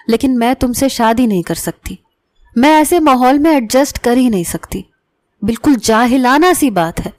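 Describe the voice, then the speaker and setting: A woman's voice: high voice, a little mellow, close to an everyday voice. A woman reading the lines of a proud young woman who scolds sharply, in a storybook narration.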